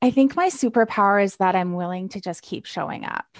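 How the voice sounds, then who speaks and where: A woman speaks in an ordinary speaking voice with ordinary pitch variation. The recording is very clean, with a silent background. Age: 40s. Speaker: self-love coach. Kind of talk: interview.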